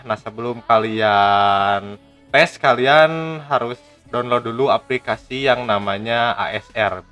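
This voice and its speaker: A man's voice: medium pitch, a bit bright. A man from Indonesia, chatting casually to viewers as he demonstrates and reviews a gadget. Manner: chatty, addresses viewers as friends.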